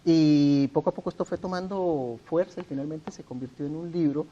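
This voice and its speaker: Dark-voiced Colombian man, earnest. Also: fairly high pitch, highs cut off. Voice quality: measured, earnest, formal address. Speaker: interview guest, author. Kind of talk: sit-down TV interview.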